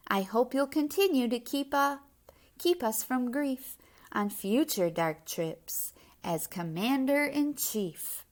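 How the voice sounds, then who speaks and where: A woman's voice: high-pitched, lively intonation, takes it slowly, pitched above the performer's own voice. A woman voicing a kindly, grateful old Santa Claus in a storybook, speaking with earnest ceremony. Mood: grateful, proud.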